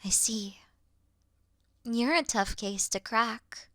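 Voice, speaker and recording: A woman playing an awkward, officious moth girl in a sleep-aid ASMR roleplay, speaking softly and deliberately in a dry bedside murmur that slips into whispers. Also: fairly high pitch, no room sound. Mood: earnest, dry. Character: awkward, officious young female moth monster offering comfort.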